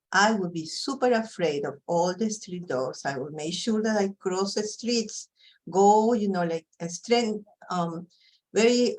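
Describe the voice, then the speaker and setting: A woman with a thick Peruvian Spanish accent speaks as a trainer in a slightly low voice. She talks conversationally, leaning on "you know" as she explains things to the group. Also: low-quality recording. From Peru. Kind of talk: online training presentation.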